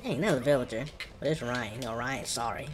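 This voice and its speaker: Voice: mid-range voice, fairly quick. African American-accented gamer talking over music. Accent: African American English. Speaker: gaming streamer. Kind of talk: casual gameplay commentary.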